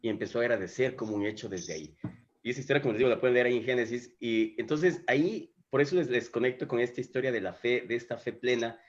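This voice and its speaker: Man, host, earnest and animated storyteller, restarts a lot, dull lo-fi stream audio. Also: medium pitch, fast. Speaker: host of a live faith talk. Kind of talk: casual spiritual conversation. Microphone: video call microphone.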